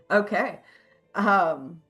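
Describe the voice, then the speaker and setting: Unhurried woman game master. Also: medium pitch, animated, fairly bright tone. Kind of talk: casual tabletop game narration.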